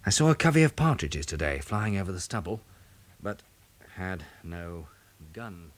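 Weary British survivor, very expressive pitch. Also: male voice, normal speed. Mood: sober diary narration. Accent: British English. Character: weary, practical English survivor turned farmer, adult man. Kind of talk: 1960s British radio drama acting.

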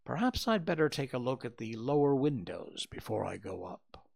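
A man reading aloud, voicing a calm, shrewd male detective who asks precise questions. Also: medium pitch, normal speed, vocal fry, voice pushed up. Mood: probing.

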